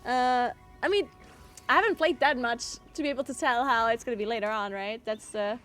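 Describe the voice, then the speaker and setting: Woman, game streamer, fairly high voice, relaxed chatty delivery, lots of fillers. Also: fairly quick, soft background music. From South Tyrol, Italy. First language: German. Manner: chatty, answers chat, frequent "like" fillers. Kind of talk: casual chat while gaming.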